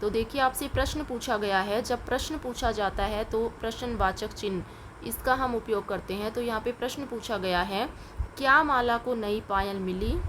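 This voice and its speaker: A woman teacher going through a lesson with children, dictating answers slowly and patiently. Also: fairly high pitch, a little hiss or hum, low-quality recording. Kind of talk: online class lesson.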